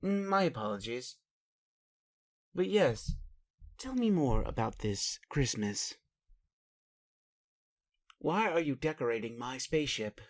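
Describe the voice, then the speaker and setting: A man acts out a male alien caretaker from a roleplay audio, talking slowly in a mid-pitched voice. He is formal and halting, endlessly puzzled by human ways. He questions the listener in a literal-minded but caring manner. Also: very animated. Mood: confused, curious.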